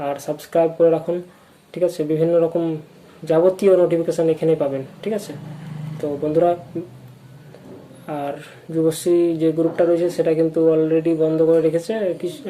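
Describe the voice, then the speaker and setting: A presenter with a West Bengal accent giving an informal update to viewers as a channel host, halting and repetitive like someone new to presenting. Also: medium pitch, warm tone, poor audio.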